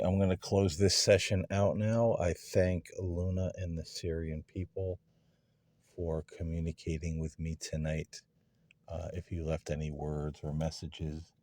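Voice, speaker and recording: Deep-voiced man asking questions into the silence. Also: a little mellow, no echo. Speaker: paranormal investigator hosting a spirit communication session. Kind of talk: unscripted spoken questions to unseen beings.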